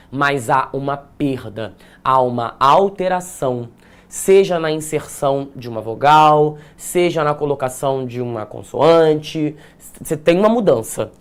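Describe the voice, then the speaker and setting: Brazilian male teacher, mid-pitched, energetic, repetitive, checks in with the class often. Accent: Brazilian Portuguese. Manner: energetic, repeats phrases, checks in with "tá?". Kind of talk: online exam-prep lesson.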